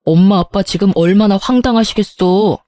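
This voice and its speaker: A woman's voice: mid-range voice, normal speed, mellow, no room sound, lightly acted. A woman voicing an irritated young husband who scolds defensively. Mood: scolding.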